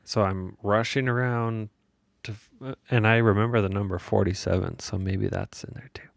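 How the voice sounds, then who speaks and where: A man's voice: lowish voice, fairly even intonation, moderate pace, vocal fry, no echo. An American man co-hosting a podcast, telling stories in casual comedic banter. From United States. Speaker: podcast co-host.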